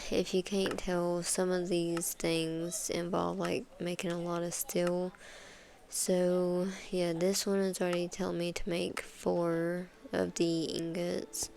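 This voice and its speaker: A woman records a gameplay voice-over, stuffed up and congested. Her low voice has a gravelly fry, and she rambles slowly and casually with plenty of fillers. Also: a little mellow. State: congested from sinus trouble. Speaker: gaming video host.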